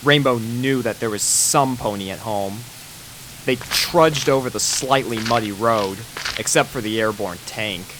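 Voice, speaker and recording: A man narrating a fan-written pony story in a steady storybook manner. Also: lowish voice, a little slow, background noise. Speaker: fanfic reader.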